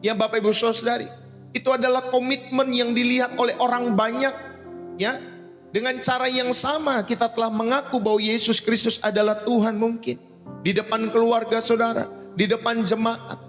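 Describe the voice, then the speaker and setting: A man's voice: very high voice, little pitch movement, moderate pace. A male pastor preaching a sermon in a blunt, colloquial way, often calling out to the congregation. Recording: long reverb with faint music behind.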